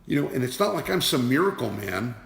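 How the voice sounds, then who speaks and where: A man's voice: mid-range voice, big pitch swings, brisk, vocal fry, a bit bright. A man giving a motivational teaching talk as an energy awareness teacher, emphatic and repeating rhetorical questions. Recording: roomy with long reverb.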